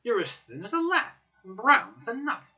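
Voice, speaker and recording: Man acting young gossipy gentleman, amiable, astonished, exclamatory, bright forceful tone, swooping pitch, storybook drama. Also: very animated, moderate pace, lo-fi sound, soft background music, heavily acted. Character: young Stamford, amiable, astonished, gossipy male old acquaintance. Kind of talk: dramatic audiobook reading.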